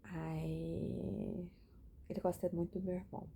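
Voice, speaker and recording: A woman's voice: on the low side, little pitch movement, unhurried, gravelly, dark tone, slight background noise. A young woman sharing a casual, chatty reflection with lots of fillers and restarts. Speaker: book reading vlogger.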